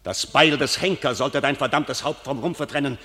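An actor playing a proud, hate-filled noble warrior duke in a classic radio drama, declaiming verse with haughty scorn. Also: male voice, medium pitch, normal speed, bright, forceful tone, natural voice. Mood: furious, scornful. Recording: reverberant hall sound.

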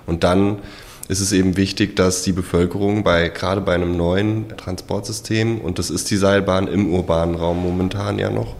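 Deep-voiced man explaining a design. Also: little pitch movement, moderate pace, darkish tone. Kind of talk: interview soundbite.

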